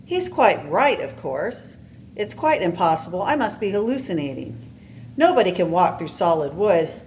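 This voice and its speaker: A woman's voice: on the low side, very animated, moderate pace, darkish tone, a little hiss or hum. Woman doing a flustered male chemistry professor. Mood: bewildered. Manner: exclaiming, alarmed.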